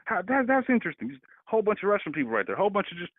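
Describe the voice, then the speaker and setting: A man's voice: high-pitched, very animated, very fast, no room sound. A man co-hosting a casual political discussion, talking animatedly and repeating words as he builds his points. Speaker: podcast co-host. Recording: tinny phone-line sound.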